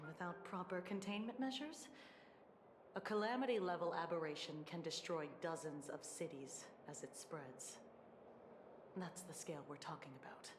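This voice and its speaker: A woman's voice: lowish voice, moderate pace, reverberant, background noise, natural voice. An actress playing a weary, formal female investigator in a video game, with a dry, matter-of-fact manner. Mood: grave, explanatory. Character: weary, businesslike female defense department investigator, dryly sardonic. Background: game music.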